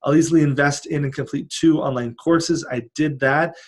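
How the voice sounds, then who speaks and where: A man's voice: a little high, steady tone, normal speed. A man who hosts a coaching channel, talking casually and earnestly in an encouraging, conversational monologue. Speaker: online coach and channel host. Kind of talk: casual monologue recapping personal goals.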